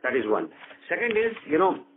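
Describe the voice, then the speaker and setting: A man's voice: on the high side, huge pitch swings, normal speed. A man with an Indian accent answering questions as a company executive on a conference call, explaining point by point. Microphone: phone conference call. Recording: tinny narrow phone line, noisy hum.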